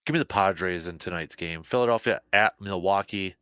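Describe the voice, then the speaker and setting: A man hosting a casual sports talk show, a little hoarse, animated, often repeating and restarting his words. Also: sits low, moderate pace, dry recording, studio quality. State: slightly hoarse, losing his voice.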